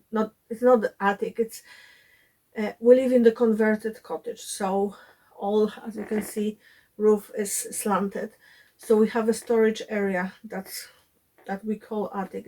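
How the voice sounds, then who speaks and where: Recovering from illness, a woman vlogs casually about sewing from her cottage home, chatty and full of fillers, her voice a bit chesty. It's mid-range and a little mellow, and the audio quality is poor.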